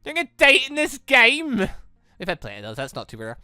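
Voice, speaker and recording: A gaming YouTuber giving animated, exclamatory commentary while playing and reading out a visual novel game, with music playing behind. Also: medium pitch, moderate pace, no echo, studio quality. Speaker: gaming YouTuber, let's player.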